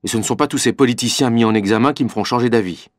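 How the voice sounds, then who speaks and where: A man's voice: mid-range voice, rapid-fire, no echo. Wry, offhand man, dry studio voice. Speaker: voice actor in scripted dialogues. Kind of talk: scripted dialogue for a language exam.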